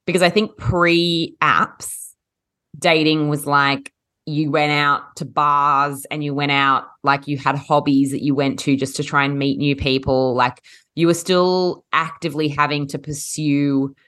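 A woman with a low voice co-hosts a relaxed chat podcast. She is a little husky from a head cold. She talks in a chatty, animated way and laughs often. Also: unhurried. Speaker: podcast co-host. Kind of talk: casual chat.

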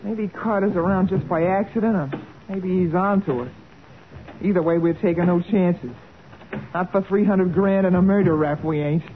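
Actress as a hard-boiled female crook, low-pitched for a woman, bossy, cocky, American, old radio drama, narrow scratchy sound. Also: moderate pace, lightly acted. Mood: urgent, wary. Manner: brash, slangy, bossy. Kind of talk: 1940s radio crime drama acting. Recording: scratchy, narrow-band 1940s radio recording.

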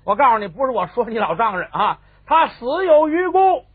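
Man doing a stern old dowager empress, high lively voice, husky, tinny phone-band sound, scolding and commanding. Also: fast talker, no echo, full character voice. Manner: scolding, urgent. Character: elderly imperial dowager woman, stern and commanding. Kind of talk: traditional storytelling.

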